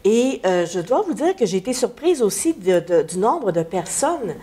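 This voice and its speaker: A woman's voice: mid-range voice, big pitch swings, normal speed, warm tone, husky. Woman hosting a TV interview. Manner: friendly, hesitant with many fillers. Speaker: host. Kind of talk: television interview.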